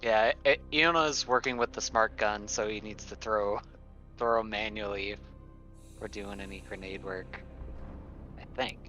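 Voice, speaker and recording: A man chatting casually as a player in a tabletop roleplaying game, on a low-fidelity mic. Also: steady tone, unhurried, sharp tone. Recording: dull lo-fi microphone, music underneath. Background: background music.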